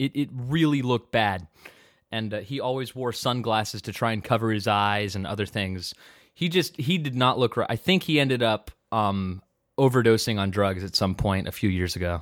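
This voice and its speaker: A man with an unremarkable speaking voice talks at a moderate pace and a medium pitch, with lively intonation. The recording is very clean, with a silent background. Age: 20s. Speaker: voice actor. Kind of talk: casual chat.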